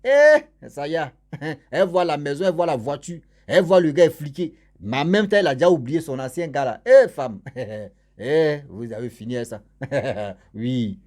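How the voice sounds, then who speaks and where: A man's voice: fairly high pitch, moderate pace, darkish tone. A man telling a story casually and with energy, repeating phrases and talking straight to his listeners.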